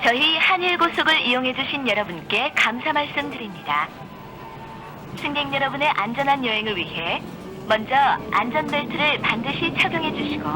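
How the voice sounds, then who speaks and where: A woman's voice: high-pitched, low-quality recording. A woman reading a scripted passenger announcement for a bus in a formal, courteous manner. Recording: pre-recorded bus announcement with background music. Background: music.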